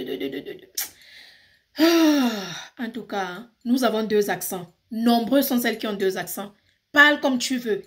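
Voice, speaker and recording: A woman with a Cameroonian accent, ranting passionately in a casual vlog and switching between French and English. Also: high voice. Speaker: YouTuber. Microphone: phone.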